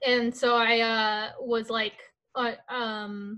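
A woman with an American accent speaks in a fairly high pitch, her tone bright and sharp. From US military bases, partly Germany. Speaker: comedy video performer. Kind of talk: casual chat. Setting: video call.

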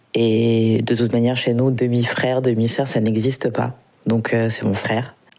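Against noticeable background noise, a woman with a very deep, low pitch speaks fairly slowly, her loudness very even and her intonation monotone and flat. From Nice, southern France. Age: 30s. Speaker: podcast guest. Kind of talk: personal testimony interview.

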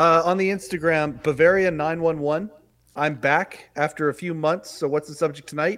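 This man has a normal speaking voice. He talks at a fairly high pitch and a moderate pace. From Canada. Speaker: regular audience participant. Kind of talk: casual chat.

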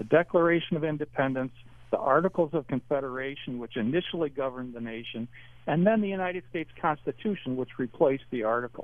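Lively intonation colors a man's speech in an American accent. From West Michigan, US (Muskegon). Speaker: judge and author. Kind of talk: radio interview.

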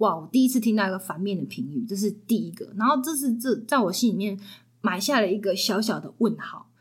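A woman's voice, somewhat breathy, sits at a fairly high pitch. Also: ordinary pitch variation, fairly quick pace. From Taiwan, Kaohsiung (south). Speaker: churchgoer sharing faith story. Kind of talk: testimony. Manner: animated.

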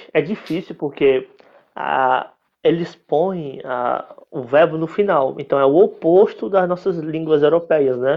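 This is a normal speaking voice, with ordinary pitch variation at a fairly slow pace. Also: man, fairly high pitch for a man. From Ceará, Brazil (Fortaleza). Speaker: English teacher. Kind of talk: interview.

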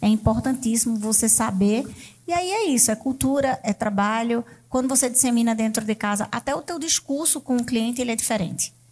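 A woman with a northeastern Brazilian accent, fairly high in pitch, with ordinary pitch variation and a fairly quick pace. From Northeast Brazil. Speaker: cybersecurity company CEO. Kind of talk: panel discussion. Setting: stage with audience.

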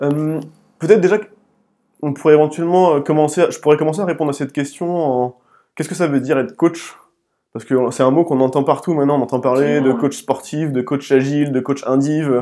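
A man with a dark, mellow tone speaks at a fairly high pitch and a fairly quick pace with fairly even intonation. The recording is very clean, with a silent background. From Alsace and the Vosges, France. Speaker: design coach. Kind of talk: interview. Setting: in person at his workplace in Paris. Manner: hesitant, many fillers.

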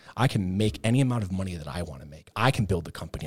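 An animated man talks at a very fast pace, his fairly low voice showing ordinary pitch variation. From Chicago, US Midwest. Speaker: supplement company founder. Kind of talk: casual chat.

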